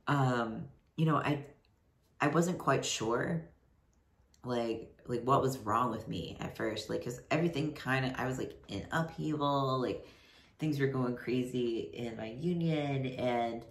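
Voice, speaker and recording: A man in his thirties chatting casually to his camera, rambling with lots of "like" and "you know", his voice deepening mid-transition. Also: measured pace. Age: 30s. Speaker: vlogger. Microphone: camera mic. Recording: roomy echo, voice somewhat far from mic.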